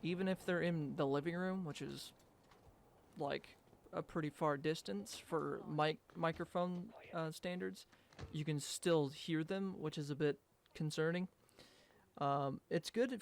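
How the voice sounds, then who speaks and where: This voice is soft-spoken. It moves at a fairly slow pace. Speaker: gaming youtuber. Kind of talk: casual chat. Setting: bedroom home recording. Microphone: new sensitive microphone with reverb; mic placed far from face.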